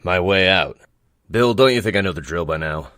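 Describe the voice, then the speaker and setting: An actor playing a world-weary older police commissioner in a crime drama, gruff and dryly sardonic. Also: male voice, low-pitched, lively intonation, normal speed, a bit bright, no room sound. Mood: wry, weary. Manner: dry, gruff, musing. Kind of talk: crime audio drama dialogue. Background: background music.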